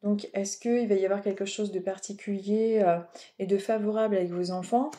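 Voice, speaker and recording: Chatty French woman with a mellow voice. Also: medium pitch, fairly even intonation, moderate pace. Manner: chatty, rambling, digressive with many fillers. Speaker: medium giving oracle card readings. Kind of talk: casual spiritual guidance talk.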